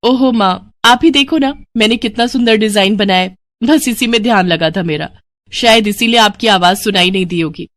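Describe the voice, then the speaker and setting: A woman voicing a lively, cheerful young daughter in a storybook tale, bubbly and coaxing. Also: a little high, moderate pace, voice pushed up. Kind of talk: storybook voice acting.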